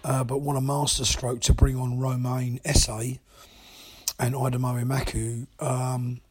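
A man enthusiastically leaving a voice message as a caller to a fan show, pausing with frequent ums. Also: mid-range voice, flat delivery, breathy edge. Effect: recorded voice message. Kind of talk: casual fan phone-in.

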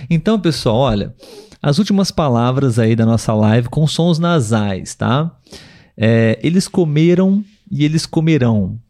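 A man teaching on a live podcast, his voice dark and mellow at a middle pitch. He talks patiently and repeats each word slowly so learners can follow, and keeps checking in with his audience. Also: lively intonation. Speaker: podcast host and language teacher. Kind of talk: live podcast language lesson.

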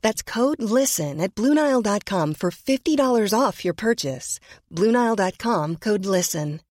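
A woman's voice: mid-range voice, expressive, unhurried, a little mellow, no echo, studio quality. A woman reading a scripted ad in an upbeat, persuasive manner. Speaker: ad narrator. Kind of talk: scripted radio ad read.

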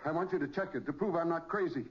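A doomed amateur inventor, speaks with grave urgency in 1940s radio style. His voice is slightly high and husky, and the old recording is dull. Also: quick pace. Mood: grave, urgent.

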